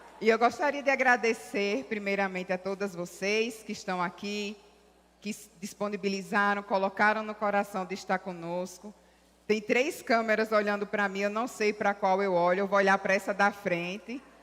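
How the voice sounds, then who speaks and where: Fairly even intonation and a moderate speed from a woman pitched in the middle range. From Paraíba, Brazil. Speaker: preacher at women's church event. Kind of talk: sermon. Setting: church event, filmed and streamed.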